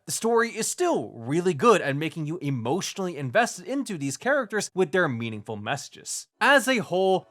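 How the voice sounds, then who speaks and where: Animated higher-pitched man narrating a review. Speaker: video reviewer ranking visual novels. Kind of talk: scripted narration, opinionated review commentary. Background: music under the voice.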